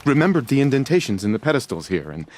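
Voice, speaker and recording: A man playing an earnest, eager self-taught tribal naturalist in a video game, musing in a wonderstruck, halting, self-important way. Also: mid-range voice, sing-song, darkish tone, slight background noise, natural voice. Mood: wistful. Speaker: non-player character in a video game. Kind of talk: video game dialogue acting.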